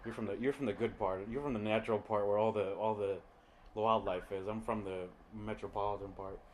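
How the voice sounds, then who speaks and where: A man's voice: lowish voice, fairly even intonation, a little fast, very noisy. A young man hosting a casual podcast chat, hesitant and full of fillers and restarts. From Long Island, New York. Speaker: podcast host.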